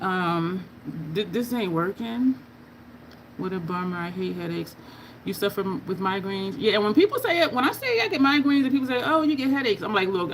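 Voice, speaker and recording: A frank, talkative woman in her fifties chats as she applies makeup, her voice sitting at a middle pitch. A faint hiss of background noise runs under her easy, candid talk. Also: poor audio. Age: 50s. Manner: candid, chatty, reading viewer comments aloud. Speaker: makeup vlogger. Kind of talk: casual chat while doing makeup.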